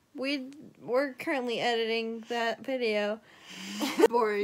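A woman speaks in a high voice against a quiet background. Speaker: vlogger. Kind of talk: casual vlog chat. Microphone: webcam.

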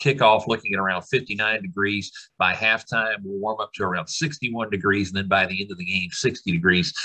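A man's ordinary speaking voice, fairly low in pitch with ordinary pitch variation, at a moderate pace with hardly any pauses. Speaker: weather forecaster. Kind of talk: weather report, a steady, scripted-sounding local forecast delivered to the camera. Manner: even, businesslike and conversational, with occasional filler 'uh' pauses.

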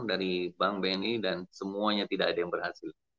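An unremarkable speaking voice from a man, fairly low in pitch, at a moderate pace against a quiet background. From Indonesia, Bogor; Indonesia. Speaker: dentist sharing conversion testimony; guest. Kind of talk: testimony. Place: home room. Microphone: video call.

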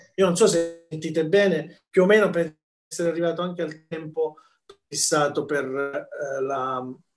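A man speaks at a moderate pace with fairly even intonation and long, frequent pauses, while faint music plays in the background. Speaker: academic speaker; speaker. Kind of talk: conference talk. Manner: halting. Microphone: video call.

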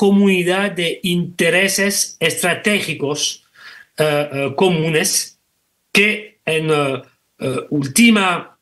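A man's high-pitched voice at a very slow pace, ordinary pitch variation, and a quiet background. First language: not Spanish (speaking Spanish). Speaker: academic speaker; speaker. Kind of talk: lecture. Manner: halting, many fillers. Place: office. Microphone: video call.

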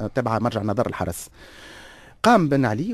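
A man with a Tunisian accent against a quiet background. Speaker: son of a former security chief. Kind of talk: radio interview.

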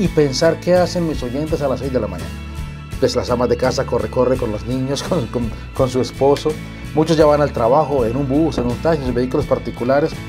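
A man talks at a fairly quick pace. Music plays clearly behind him. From Medellín, Colombia. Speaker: radio announcer. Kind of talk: personal testimony to camera about faith and radio career. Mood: warm, reflective, faith-filled. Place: studio. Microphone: lapel.

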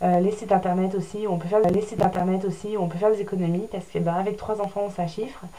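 A woman talks very fast with hardly any pauses. Her medium-pitched voice has monotone, flat intonation. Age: 30s. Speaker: stay-at-home mother and vlogger. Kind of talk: casual vlog introduction. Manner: hesitant, many fillers. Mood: warm, friendly. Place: home room. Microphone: webcam.

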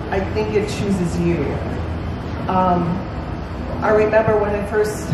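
A woman with an American accent speaks at a fairly slow pace. Loud background noise and audible room echo fill the recording. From US Midwest. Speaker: abstract artist. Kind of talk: panel discussion. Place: hall.

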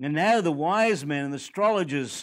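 On a very clean recording with a silent background, a man with an Australian accent speaks at a fairly high pitch with lively intonation. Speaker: pastor. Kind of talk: sermon. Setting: church.

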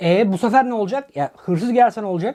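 The voice has an animated tone and moves at a fairly quick pace. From Turkey, İzmit. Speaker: investment YouTuber. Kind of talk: educational monologue. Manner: conversational, animated.

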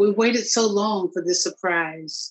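A woman's voice with very wide pitch swings over a quiet background. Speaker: poet and jazz musician. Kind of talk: poetry reading. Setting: video call. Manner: intimate, sensual, slow and tender in the poem. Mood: smooth, romantic, relaxed. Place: home room. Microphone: video call.

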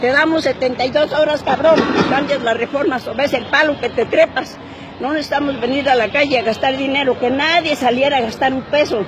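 A woman's high voice at a moderate pace with fairly even intonation, dry with no echo, over crowd noise in the background. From Mexico. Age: 80s+. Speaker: elderly protester. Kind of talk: interview answer. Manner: angry, blunt. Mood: angry, indignant. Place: street. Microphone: phone near.

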